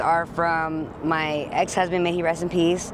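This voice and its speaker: A woman speaks over noticeable background noise. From US, Mexican household. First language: Spanish. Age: 40s. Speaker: homeless woman interviewed on the street. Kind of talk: street interview. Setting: outdoors on the street. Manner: halting, many restarts.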